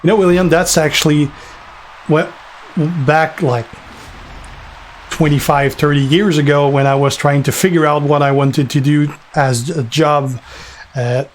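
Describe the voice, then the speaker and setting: A man's voice: fairly high pitch, unhurried. A man in his forties, French by first language and with a French accent, chatting loosely with his live-stream viewers and answering them by name. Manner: relaxed, rambling, answers chat by name, fillers. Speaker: gaming streamer. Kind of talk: casual live-stream chat.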